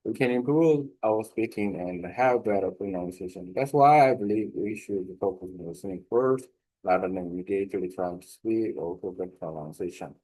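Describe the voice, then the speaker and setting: A man with a Korean accent, a native Korean speaker, reading a prepared text aloud slowly and deliberately, pausing and correcting himself as he shares his language-learning method. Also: fairly low pitch, warm tone, rough recording. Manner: slow, deliberate reading with pauses and self-corrections.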